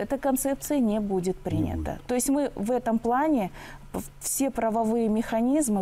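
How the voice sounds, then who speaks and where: At a moderate pace, a woman talks in a fairly high voice with a dark, mellow tone and ordinary pitch variation. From Kazakhstan. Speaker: government official; guest. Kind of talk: TV interview. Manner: formal. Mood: calm, confident, explanatory. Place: studio. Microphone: lapel.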